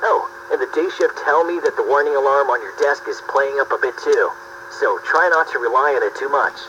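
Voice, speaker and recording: A friendly, wry asylum colleague in a horror game. He gives a scripted briefing over a radio, with clear noise around his mid-pitched voice. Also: fairly quick, bright, forceful tone, low-quality recording. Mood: chummy, wry. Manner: chummy, wry. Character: chummy male asylum night-shift colleague on radio.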